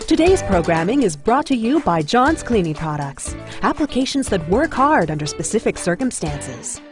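A woman's voice: medium pitch, sing-song, normal speed, over music. A woman announcer reading a scripted parody commercial.

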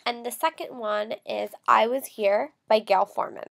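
A woman's voice: on the high side, fairly even intonation, a little slow, vocal fry, fairly bright tone. Chatty young woman with a slight cold. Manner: chatty, gestures a lot, many fillers and restarts. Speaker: book reviewer. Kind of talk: casual book review vlog. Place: bedroom with photo-covered wall. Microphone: webcam at close range.

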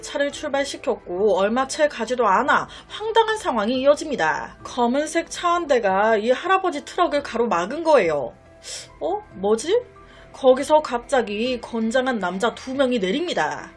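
A woman telling a true-crime story in a chatty, dramatic way, talking directly to her viewers. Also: high voice. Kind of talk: casual true-story narration.

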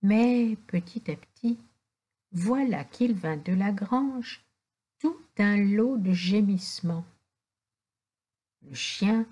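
A woman reading a children's tale aloud as an audiobook, in a gentle storytelling cadence. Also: mid-range voice, breathy edge. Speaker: audiobook reader.

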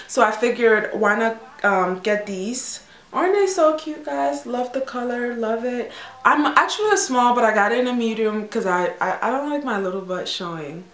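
Woman vlogger, casual haul chat, gushing and bubbly, slightly high voice, echoey room. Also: lively intonation, moderate pace, a bit bright. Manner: bubbly and gushing, with many fillers. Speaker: fashion vlogger.

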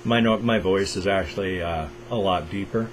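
An older man from the Pacific Northwest with a Pacific Northwest American accent, chatting enthusiastically to camera as a reaction video host, deliberately slowing his speech and holding his voice in a higher register. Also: background noise. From Pacific Northwest, USA. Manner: enthusiastic, keeps voice raised to a higher register, speaks slowly on purpose. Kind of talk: casual chat to camera. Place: small room at home, indoors. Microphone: over-ear headset.

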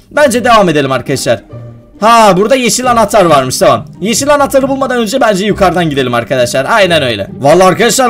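Excitable young man commenting on a game. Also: high voice. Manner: excitable, addresses viewers as friends, gets worked up at traps. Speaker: gaming YouTuber.

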